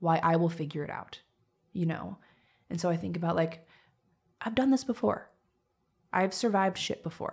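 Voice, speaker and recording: With an American accent, a woman speaks at a moderate pace with long, frequent pauses, her fairly low, somewhat breathy voice carrying lively intonation. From Minnesota, US. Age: 20s. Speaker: hand lettering artist and leadership educator. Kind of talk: casual interview.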